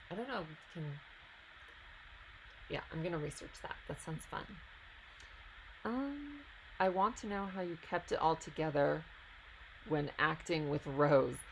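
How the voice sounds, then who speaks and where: A woman's voice: fairly low pitch, vocal fry, slight background noise, low-quality recording. A woman hosting a live stream, reading out viewer questions and answering them in a chatty, casual way.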